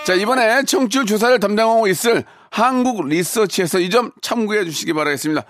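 A man hosting a radio call-in show on a studio microphone, playful and teasing, coaching callers with loud bursts. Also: high voice, quick pace, no room sound.

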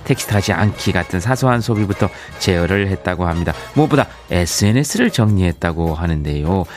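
A man's voice: deep voice, expressive, brisk, faint music behind. A man with a Daegu-Gyeongbuk accent hosting a radio show, casually chatting and reading out listener messages with easy laughs. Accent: Daegu-Gyeongbuk dialect. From Yeongcheon, South Korea. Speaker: radio host. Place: radio studio. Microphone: studio microphone.

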